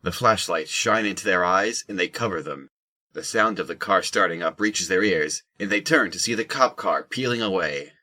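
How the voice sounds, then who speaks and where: A man's voice: sits low, moderate pace, sharp tone. A man narrating a scripted audio drama in the third person.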